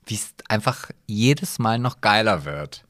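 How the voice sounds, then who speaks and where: A man's voice: lowish voice, lively intonation, unhurried, a bit bright, dry recording. A slightly tipsy man co-hosting a casual podcast, making dry, teasing remarks. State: a bit tipsy. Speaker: podcast co-host.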